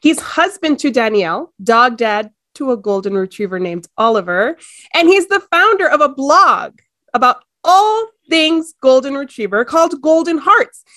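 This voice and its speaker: A woman's voice: sits high, very animated, normal speed, a bit bright, no room sound, studio quality. A woman in her thirties, born in Ecuador, hosting a podcast in a chatty, bubbly way. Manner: bubbly, chatty, laughs easily. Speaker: podcast host. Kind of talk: casual chat.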